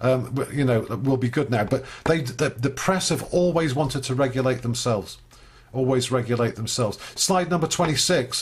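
Somewhat breathy and medium in pitch, this man's voice shows ordinary pitch variation and very even loudness. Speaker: university lecturer. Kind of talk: lecture. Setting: video call. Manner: fast.

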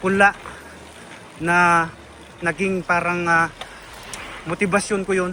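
Speaking fairly slowly, a man has a high pitch, a bright, sharp tone and fairly even intonation. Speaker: vlogger. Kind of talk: casual vlog monologue.

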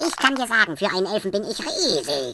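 A woman's put-on character voice with big pitch swings, a bright, sharp tone, a slightly husky edge and a fairly quick pace. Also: medium pitch for a woman.

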